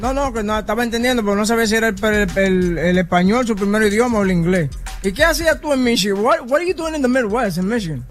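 A man's voice: high voice, quick pace, soft background music. A man, co-hosting, joking and dropping in English questions. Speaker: co-host.

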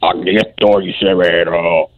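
A man voicing a sinister little comedy devil with a croaky, toad-like voice. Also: sits low, flat delivery, slow, narrow, tinny audio, pitched below the performer's own voice. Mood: menacing.

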